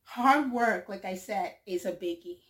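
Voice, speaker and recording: A woman's voice: mid-range voice, a little slow. A young woman from Liberia, hosting her own vlog in a casual, upbeat way, repeating herself and using many fillers. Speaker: vlog host and singer. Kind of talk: casual talk to camera. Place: Canada.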